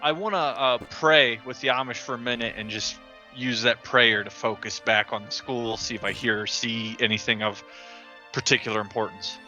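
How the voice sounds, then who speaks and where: A man's voice: medium pitch, fairly even intonation, moderate pace, sharp tone, lo-fi sound, faint music behind. A man playing a tabletop game, casually saying what his character does.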